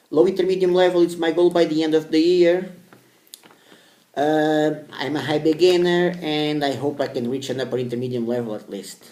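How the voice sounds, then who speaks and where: His voice sits in the mid range and is a little mellow. He's a vlogger, Portuguese by first language, speaking English casually to camera with hesitations and repetitions in an echoey room.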